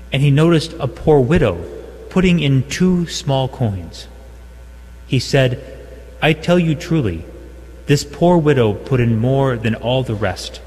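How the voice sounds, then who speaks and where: Priest preaching, easy joking tone, mid pitch, big cathedral echo trailing every word. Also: male voice, a little mellow. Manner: conversational, with light humor. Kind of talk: gospel reading and homily. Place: large church. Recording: long echo of a large church.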